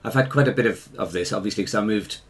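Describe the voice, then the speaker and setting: Deep-voiced RP Englishman, halting delivery. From Africa and Ireland, later England. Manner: hesitant, halting, self-correcting. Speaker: interview guest, musician and choir director. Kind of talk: conversational personal storytelling.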